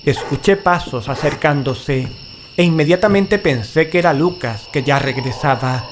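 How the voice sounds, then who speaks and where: An actor playing a frightened, cautious paranormal investigator in a horror audio drama, grave and dramatic. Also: male voice, a little high, moderate pace, background noise, natural voice. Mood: dread. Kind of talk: first-person horror audio drama narration and acting.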